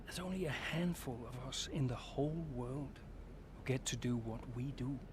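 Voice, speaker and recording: An actor playing a proud, curt veteran racing driver in a video game cutscene, with clear noise behind him. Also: male voice, medium pitch, moderate pace, natural voice. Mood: quiet advice. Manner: curt, defensive, shouting in arguments.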